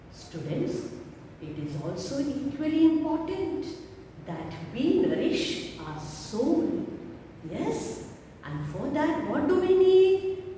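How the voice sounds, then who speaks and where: A woman teacher leading a value-education lesson for young children, asking lots of coaxing questions. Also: sits high. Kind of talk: online class storytelling lesson. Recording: echoey room, mic far off, faint noise.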